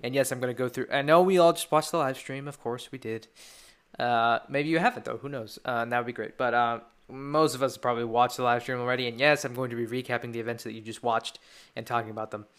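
A man's voice: mid-range voice, fairly even intonation, quick pace, fairly bright tone, clear, resonant tone. A teenage boy hosting his own podcast, rambling casually and eagerly as a devoted fan. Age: teens. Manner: rambling, enthusiastic fan chat. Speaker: podcast host. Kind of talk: casual solo podcast talk.

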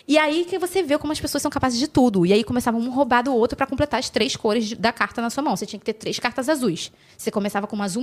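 A woman from Brazil telling animated stories as a podcast guest, acting out the people she quotes and laughing often. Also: sits high. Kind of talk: casual storytelling chat.

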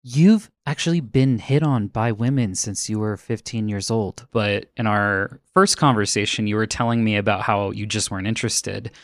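A man's voice: on the low side, moderate pace, hardly any pauses, no room sound, clean studio sound. A man hosting a podcast, reading an upbeat intro and then interviewing a guest, laughing easily. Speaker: podcast host.

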